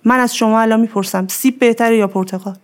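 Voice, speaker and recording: A woman speaking as a podcast guest, calmly explaining her ideas with everyday examples in a reflective, advising tone. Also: on the high side. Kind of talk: reflective advice in conversation.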